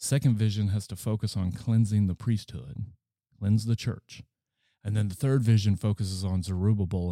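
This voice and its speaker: A man with a fairly low pitch and a dark, mellow tone speaks at a fairly quick pace with ordinary pitch variation. The very clean recording has a silent background and a dry, close sound with no echo. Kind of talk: guided prayer. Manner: fervent, earnest.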